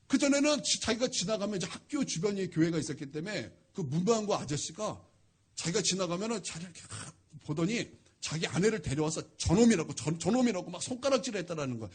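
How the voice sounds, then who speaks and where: A man preaching a Sunday sermon as a pastor, telling a story with lively acted-out dialogue. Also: high voice, slightly rough. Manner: animated, acts out quoted dialogue. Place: church sanctuary.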